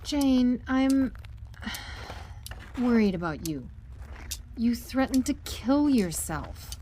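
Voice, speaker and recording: Measured, caring woman doctor. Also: on the high side, animated, warm tone, slight background noise. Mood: concerned, firm. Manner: measured, explanatory, protective. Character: concerned, firm, level-headed woman doctor, caring. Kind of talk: audio drama acting.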